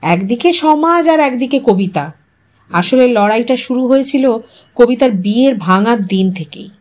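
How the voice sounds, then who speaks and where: Woman storyteller w a high voice, dramatic audio story narration, expressive. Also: unhurried.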